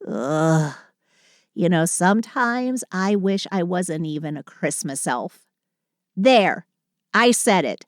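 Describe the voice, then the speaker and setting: Sulky, affectionate female Christmas elf played by a woman for intimate roleplay audio; higher voice, close dry sound, dramatic but fond. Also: no room sound. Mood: weary, exasperated. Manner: dramatic sighing complaints softened by fond endearments.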